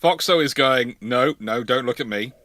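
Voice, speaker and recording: Male livestream host, bright dry sound, casual and chatty while answering viewer questions. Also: medium pitch, moderate pace, no room sound. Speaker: host of a live naval history Q&A stream.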